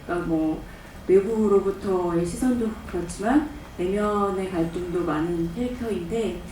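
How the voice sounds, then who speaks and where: A woman's voice: on the low side, moderate pace, noisy background. A woman moderator putting polite, composed questions to a film panel. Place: cinema press conference hall. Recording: echoey hall from far off.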